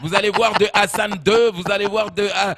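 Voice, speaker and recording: A man's voice: high-pitched, fairly even intonation, a little fast, a bit bright, faint music behind. A man co-hosting a satirical fake news segment, joking playfully with laughing asides. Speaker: comedian co-host.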